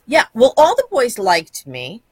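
A woman's voice: a little high, wildly swooping pitch, measured pace, breathy edge, no room sound. A woman, a guest in a casual interview, telling stories bluntly and crudely in a chatty way. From Boston area, Massachusetts. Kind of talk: casual chat.

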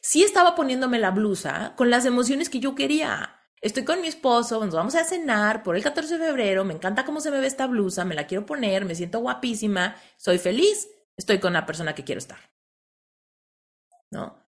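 A woman with a Mexican accent hosting a motivational coaching talk, telling stories in an animated way and often ending lines with a questioning tag. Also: a little high, a little fast. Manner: animated storyteller, tags lines with "¿no?". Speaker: host.

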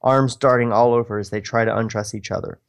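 A man's voice: medium pitch, steady tone, fast talker. Sardonic man narrating a screenplay. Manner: mocking, self-deprecating asides, swearing. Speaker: host reading his old screenplay aloud. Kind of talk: script narration with sardonic casual asides.

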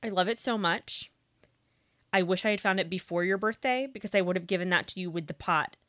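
A woman's voice: on the low side, fairly quick, a bit bright, no echo, clean studio sound. A woman co-hosting a casual chat, gushing with enthusiasm over her favorite finds. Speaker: podcast co-host.

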